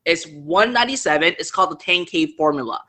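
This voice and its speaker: Bright-voiced man pitching earnestly. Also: expressive, fast talker. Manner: earnest, persuasive, keeps checking in with "okay?"; speaks English as a second language. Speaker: host. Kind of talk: live online business Q&A pitch.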